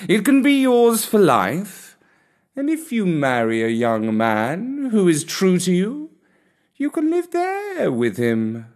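A man reading a storybook who voices an elderly male cat, slow, stately and courteous. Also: sits high, wildly swooping pitch, a little mellow, voice pushed up, exaggerated voice. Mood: courtly.

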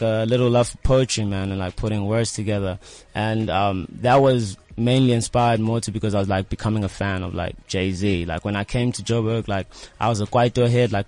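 A young man with a South African accent speaks in a slightly low voice. He chats casually as a rapper in an interview, using loose slang and frequent "like" and "you know". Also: a little mellow, no echo. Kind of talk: casual chat.

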